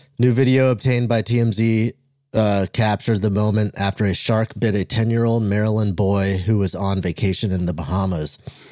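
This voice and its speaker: A man speaks at a moderate pace with a fairly low pitch and a dark, mellow tone, his loudness very even and his intonation fairly even. The recording is very clean, with a silent background. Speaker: improv performer. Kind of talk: casual chat.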